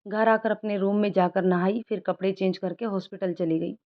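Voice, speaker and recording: A woman narrating an animated moral story in a plain, steady storytelling voice. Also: mid-range voice, normal speed. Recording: dull lo-fi recording.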